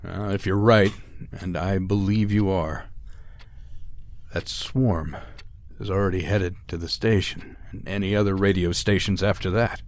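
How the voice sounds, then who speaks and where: A man's voice: low-pitched, fairly even intonation, a little slow. An actor playing Joe, a resolute man in a retro sci-fi radio drama, speaking steadily and earnestly. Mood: urgent. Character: Joe, grown man, self-sacrificing and resolute. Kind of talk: golden-age style radio drama acting.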